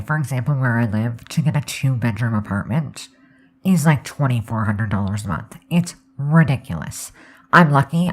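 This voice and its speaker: A young woman from Canada, chatting casually over a game build video, her voice scratchy and hoarse from a sore throat. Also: very deep voice. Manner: rambling, candid, lots of um and like. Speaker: Sims speed build creator.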